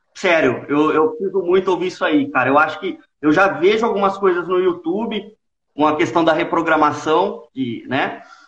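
A man speaks at a fairly slow pace, his voice fairly high in pitch with ordinary pitch variation. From São Paulo state, Brazil. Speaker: small food business owner. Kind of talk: live mentoring conversation. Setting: video call. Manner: halting.

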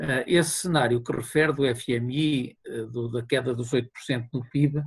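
A man's somewhat breathy voice with a European Portuguese accent, at a fairly slow pace, with fairly even intonation, against a quiet background. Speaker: economics professor. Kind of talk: interview.

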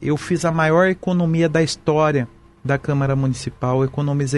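A man's monotone, flat intonation at a moderate pace. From Brazil, Campinas (São Paulo state). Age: 40s. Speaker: state legislator. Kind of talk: interview.

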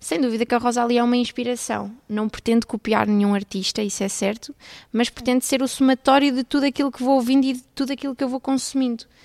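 A very fast pace meets fairly even intonation here, with a dry, close sound and no echo. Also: woman, high pitch for a woman. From Portugal, Coimbra. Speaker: singer. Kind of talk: interview.

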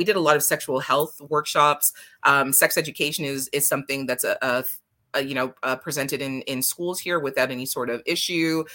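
A woman talks at a fairly quick pace with a very deep, low pitch. Her tone is bright and sharp, and her intonation stays fairly even. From Canada. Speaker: podcast host. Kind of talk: casual chat.

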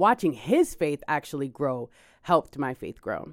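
With an American accent, the voice has a dark, mellow tone and very wide pitch swings. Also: woman. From Miami, Florida. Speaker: guest, mother. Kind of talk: testimony.

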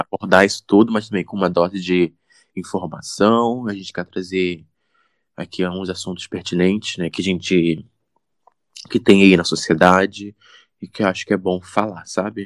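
With very deep, low pitch and monotone, flat intonation, a man speaks at a moderate pace with long, frequent pauses, recorded very cleanly against a silent background in a dry, close sound with no echo. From Brazil, Rio de Janeiro (Baixada Fluminense, Nova Iguaçu). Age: 20s. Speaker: podcast co-host. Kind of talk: casual chat.

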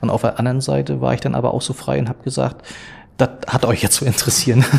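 Amid noticeable background noise, a man talks at a fairly quick pace and medium pitch, his intonation lively. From Rügen, northeastern Germany. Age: 40s. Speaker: city archivist. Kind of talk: interview.

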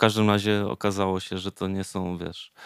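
Dry, close sound with no echo carries a man's fairly low, monotone, flat voice at a moderate pace. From Poland, Świnoujście (Baltic coast). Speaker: musician and composer. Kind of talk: casual chat.

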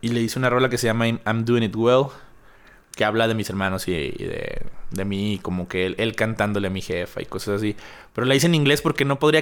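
With ordinary pitch variation, an unremarkable speaking voice keeps a fairly quick pace. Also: man. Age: 30s. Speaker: singer-songwriter. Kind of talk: casual interview.

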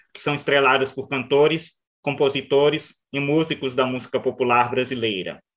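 This man has an ordinary speaking voice, pitched fairly high. His intonation is fairly even and his pace moderate. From Minas Gerais, Belo Horizonte. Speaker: radio host. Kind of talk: interview.

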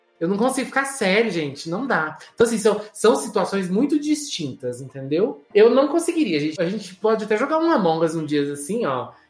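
Amid noticeable background noise, a high-pitched man speaks at a moderate pace with very wide pitch swings and hardly any pauses. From Brazil. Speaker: podcast host. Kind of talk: casual chat.

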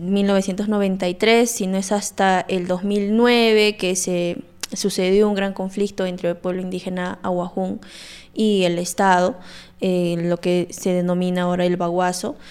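The woman speaks at a very slow pace. Her delivery is monotone, with flat intonation. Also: medium pitch for a woman. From Peru, Cusco region. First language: Quechua (speaking Spanish). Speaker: interpreter and translator. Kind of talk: interview. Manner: halting.

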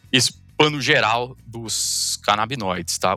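A man's bright, sharp voice with lively intonation, dry and close with no echo. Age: 30s. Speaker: brewer and beer sommelier. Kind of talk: casual podcast interview.

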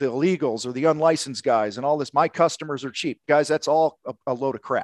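A man with an unremarkable speaking voice talks fairly quickly at a fairly high pitch. The sound is dry and close, without echo, over a quiet background. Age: 50s. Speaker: contractor business coach. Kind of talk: casual interview.

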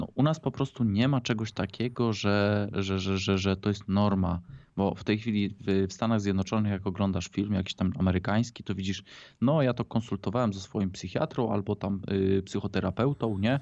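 With an ordinary speaking voice, a man talks at a moderate pace and fairly low pitch, his intonation fairly even against a quiet background. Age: 30s. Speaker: former emergency dispatcher and paramedic. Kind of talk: casual interview.

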